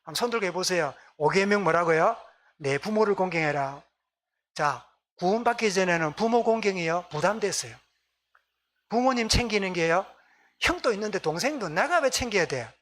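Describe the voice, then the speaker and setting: A male pastor with a Gyeongsang accent preaches a Sunday sermon in a church sanctuary, often questioning the congregation and repeating their answers back. His high voice is animated, a little fast, and a bit bright.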